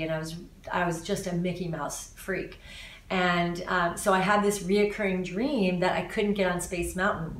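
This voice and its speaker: A woman in her forties from Los Angeles, a voice actor answering interview questions in a casual, animated way with frequent restarts, filmed in a living room. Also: on the low side, a little hiss or hum. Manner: animated, talks with her hands, many restarts. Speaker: voice actor guest. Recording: roomy, slightly distant sound.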